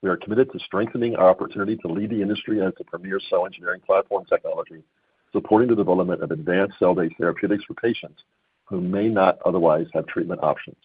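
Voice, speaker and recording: A man's voice: low-pitched, steady tone, fast, slightly rough, no echo, narrow, tinny audio. A man speaking as a company executive, reading scripted corporate remarks over a conference call line.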